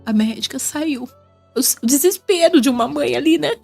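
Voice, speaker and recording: A woman's voice: high-pitched, moderate pace, vocal fry, darkish tone, soft background music. A woman with a Brazilian Portuguese accent giving an emotional faith testimony as a mother, crying and repeating her phrases. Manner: tearful, repeats phrases, raises voice in bursts.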